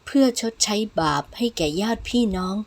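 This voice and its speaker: A woman reading novel narration in a low, somber, measured voice. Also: expressive. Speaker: audiobook narrator.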